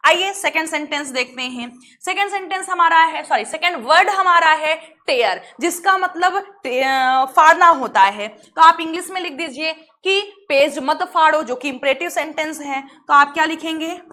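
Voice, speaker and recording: A woman teaches an online English lesson with lively energy, asking a question and answering it herself. Her voice sits high and sounds bright and forceful, close to the mic. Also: moderate pace, hardly any pauses.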